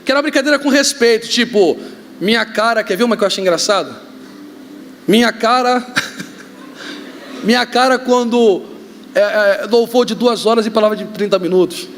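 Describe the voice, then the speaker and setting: A man with a Brazilian accent, a pastor preaching a sermon, joking and telling stories with sudden shouts. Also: high voice, moderate pace, pauses often, slight background noise. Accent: Brazilian Portuguese. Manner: joking, animated storytelling with shouts. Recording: reverberant hall, faint ambience.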